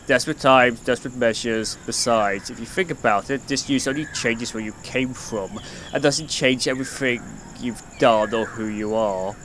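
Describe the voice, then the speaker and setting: A man's voice: mid-range voice, moderate pace, fairly bright tone, a little hiss or hum, lightly acted. A man playing a level-headed, encouraging flying hero with a matter-of-fact manner in an amateur audio drama. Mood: reassuring.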